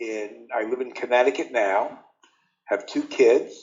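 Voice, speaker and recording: A man speaks with a New York accent. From New York, Long Island. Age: 70s. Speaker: psychologist. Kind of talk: interview.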